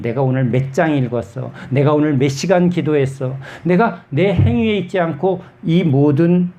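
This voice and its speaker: A middle-aged pastor preaching a sermon, his voice mellow and set a little high for a man. He talks with the congregation as he preaches, asking them questions and answering them himself, and his delivery moves between quick and slow. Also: highs cut off.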